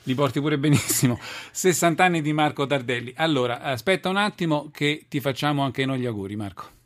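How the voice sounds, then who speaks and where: A man's voice: a little high, expressive, a little fast. A man hosting a live sports radio show in a chatty way.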